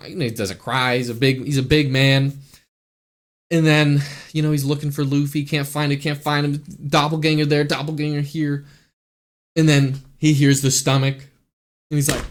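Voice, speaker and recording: A man talking about a show he loves, gushing and rambling with lots of fillers, restarts and trailing thoughts. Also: medium pitch. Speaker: YouTuber ranking anime arcs. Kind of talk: casual excited commentary.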